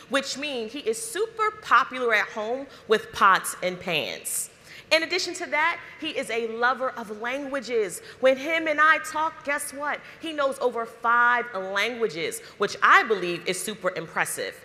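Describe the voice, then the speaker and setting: A woman's voice: a little high, animated, measured pace, bright, forceful tone. A woman hosting a live conference as emcee, upbeat and hyping the crowd with questions. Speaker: event emcee. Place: large conference hall. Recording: hall reverb.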